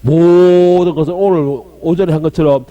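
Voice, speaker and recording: Man, pastor, sermon, high pitch, emphatic, swings loud to hushed. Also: steady tone, normal speed, highs cut off.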